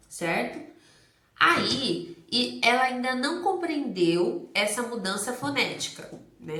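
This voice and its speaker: Brazilian lady teacher explaining stuff, asks herself questions n answers, mid pitched, sounds roomy. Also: fairly bright tone. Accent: Brazilian Portuguese. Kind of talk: recorded lecture on early literacy. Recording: roomy, echoey recording.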